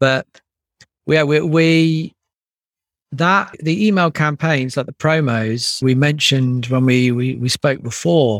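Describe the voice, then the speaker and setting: A man with a British accent speaks at a fairly slow pace with ordinary pitch variation, the sound dry and close with no echo. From Britain. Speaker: e-commerce brand owner. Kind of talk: interview.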